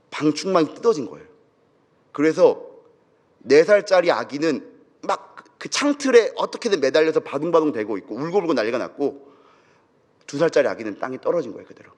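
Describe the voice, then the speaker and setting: A man's voice: mid-range voice, darkish tone. A young adult man, a pastor, telling a story in a sermon with dramatic feeling. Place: church sanctuary. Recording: church hall with long reverb.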